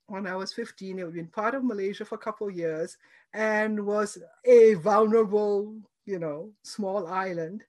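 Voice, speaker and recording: A woman's voice: medium pitch, moderate pace, a little mellow. A woman in her seventies from Singapore, a guest in an interview, answering in a chatty, reflective way with frequent fillers and light laughter. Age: 70s.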